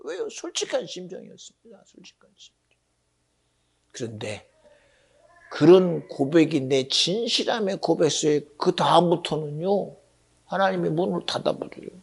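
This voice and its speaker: A man preaching a Sunday sermon in a church, impassioned, dropping to hushed whispers and rising to loud exclamations. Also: fairly high pitch, animated, normal speed, creaky, long pauses, husky. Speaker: pastor. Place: church sanctuary.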